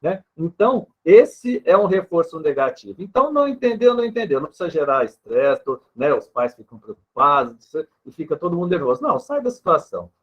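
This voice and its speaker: A Brazilian Portuguese-accented speech therapist gives an explanatory interview answer, patiently using examples and ending sentences with a questioning "né." His fairly high voice has lively intonation and moves briskly with hardly any pauses. The lo-fi recording sounds dull.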